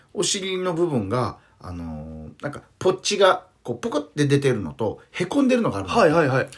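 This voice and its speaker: A man talks at a moderate pace. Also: big swings in loudness. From Okinawa, Japan. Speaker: comedian. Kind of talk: casual chat, comedy talk. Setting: remote, recorded from own home.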